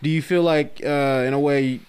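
A man's voice: a little high, steady tone, moderate pace, background noise. A man with an African American accent interviewing in a casual, conversational way. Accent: African American English. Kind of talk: casual chat.

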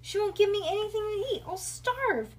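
A woman voicing a dramatic, whiny young girl who complains loudly in a storybook reading. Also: high voice, big pitch swings, very slow, pitched above the performer's own voice, heavily acted. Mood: yelling, panicked. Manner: yelling, hollering, grumpy complaining.

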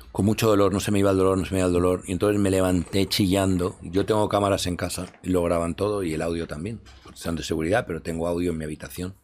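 Guest storyteller, man, low gravelly voice, animated retelling. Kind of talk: storytelling in a podcast interview.

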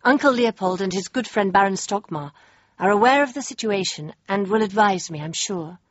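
A young actress playing an earnest, spirited princess, with a crisp, refined way of speaking. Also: female voice, medium pitch, animated, normal speed, no room sound, lightly acted. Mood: reflective. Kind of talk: period drama acting and diary narration. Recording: dull dry lo-fi with faint music.

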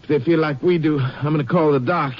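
A man's voice: on the high side, brisk, close to an everyday voice. A man playing a sick, anxious rancher and father in a 1950s radio drama, unsteady and plain-spoken. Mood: groggy, uneasy. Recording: muffled, hissy old radio recording.

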